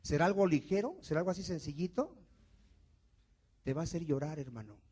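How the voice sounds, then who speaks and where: A man's voice: fairly high pitch, big pitch swings, fairly quick, warm tone. A male pastor preaching a sermon, asking the congregation questions and answering them himself.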